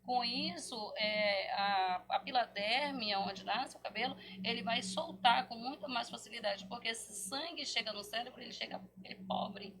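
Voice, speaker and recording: A Brazilian woman speaking as a specialist guest in an interview, explaining didactically and pausing to find words. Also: fairly high pitch, fairly bright tone. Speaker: hair therapy specialist guest.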